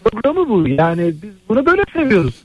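A man's voice: sits high, huge pitch swings, fast, slightly rough, no room sound, dull audio. A man calling in to a radio show over a landline phone, talking earnestly with many hesitant fillers. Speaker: radio call-in listener.

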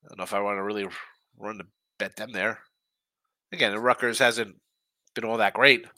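A man with a stuffy, congested nose hosts a live sports betting stream, chatting loosely through viewer comments and picks. His voice is very bright and edgy, and the recording is dry and close with no room sound. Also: on the low side, fairly even intonation, normal speed, no room sound. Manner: chatty and loose, with frequent restarts and asides. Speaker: sports betting show host.

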